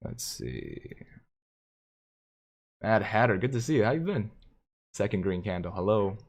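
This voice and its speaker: A man hosting a live stream, commenting on stock charts and reading viewer comments aloud with excitement. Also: lowish voice, unhurried, gravelly. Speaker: livestream host.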